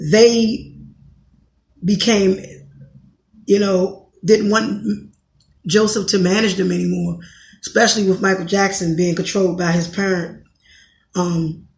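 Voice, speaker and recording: A woman in her thirties from Washington, D.C., with a raspy voice, talking bluntly in a rambling podcast monologue and often correcting herself. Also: medium pitch, echoey room. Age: 30s. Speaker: podcast host. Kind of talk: casual monologue commentary.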